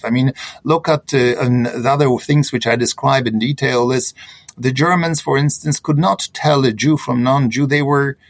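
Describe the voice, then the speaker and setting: A man with a Polish accent speaks in a husky, breathy voice at a middle pitch. He answers interview questions earnestly, stopping often with fillers and restarting his sentences as he goes. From Poland. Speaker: historian guest.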